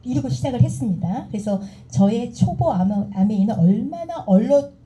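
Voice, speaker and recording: A middle-aged woman giving a motivational seminar talk, animated and acting out the dialogue she recounts to the audience. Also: a little high, normal speed, poor audio. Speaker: seminar speaker.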